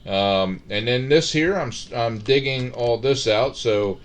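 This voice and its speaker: A man's voice: mid-range voice, measured pace, clear, resonant tone. A middle-aged man giving casual, rambling commentary on his Minecraft game, full of fillers and restarts. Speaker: Minecraft let's-play host.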